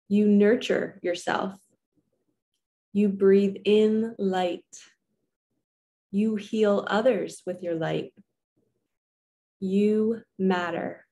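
A woman in her thirties with a mid-pitched voice and slow pace. She speaks soothingly and deliberately, like a spiritual host leading guided affirmations. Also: warm tone. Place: small furnished room indoors.

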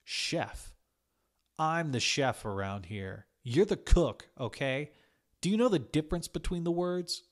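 A man's voice: on the high side, expressive, measured pace, pitched above the performer's own voice. A man voicing a rude, territorial male head chef in a story, theatrical and commanding. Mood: scornful, loud.

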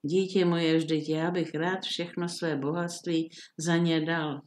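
A woman's voice: deep voice, level tone, a little mellow, echoey room, a little hiss or hum, close to an everyday voice. A woman reading the lines of a sorrowful merchant father in a fairy tale. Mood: grieving. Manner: sorrowful, tearful.

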